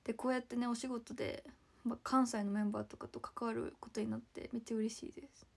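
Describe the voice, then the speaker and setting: A woman's voice: fairly high pitch, steady tone, quick pace, vocal fry. A young woman from Saitama chatting casually on a livestream, bubbly and chatty, thanking viewers by name and sometimes dropping into a whisper. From Saitama, Japan. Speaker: idol livestreaming and reading viewer comments.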